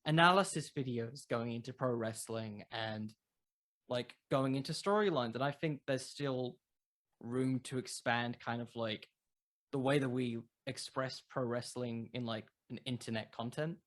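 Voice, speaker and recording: A man's voice: medium pitch, measured pace, fairly bright tone. Casual man thinking aloud in an interview. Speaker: podcast creator being interviewed.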